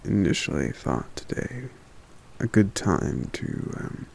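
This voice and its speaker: Casting: male actor for a gentle forest giant, deep and heavily creaky, musing and intimate, ASMR roleplay. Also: very animated, slight background noise, exaggerated voice. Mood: calm, content. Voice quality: very deep, gravelly. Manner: slow, musing, hesitant, with soft hums. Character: gentle, contented giant man living in the forest. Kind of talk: ASMR roleplay, soft intimate character monologue.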